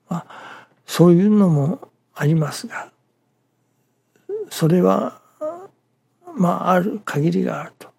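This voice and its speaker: With a medium-pitched, gravelly voice that has a dark tone and a breathy edge, a minister gives a morning sermon. He speaks in a halting, measured way, pausing between phrases and dropping certain words almost to a whisper.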